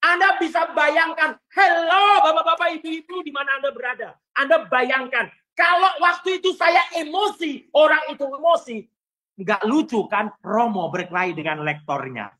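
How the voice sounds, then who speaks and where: A male Catholic priest giving a sermon in an animated storytelling manner. He often turns to address the congregation directly and sometimes raises his voice to a shout for emphasis. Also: very high-pitched, moderate pace.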